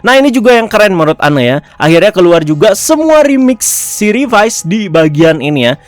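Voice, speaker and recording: A man's voice: high-pitched, very animated, a little fast, dry recording. A man giving a casual, chatty review of a TV episode, often chuckling and tagging his phrases.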